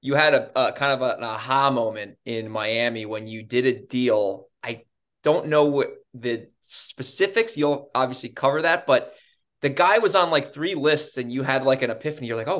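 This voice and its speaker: Man, podcast host, casual upbeat chat, medium pitch. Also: animated, normal speed, fairly bright tone. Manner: upbeat, conversational, frequent fillers.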